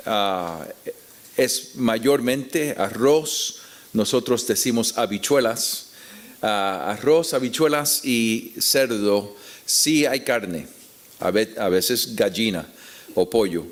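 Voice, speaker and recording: A man with a Puerto Rican Spanish accent teaching the Bible to an audience in a deliberate, explanatory way with rhetorical questions. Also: mid-range voice, expressive. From Puerto Rico. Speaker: preacher teaching at a conference.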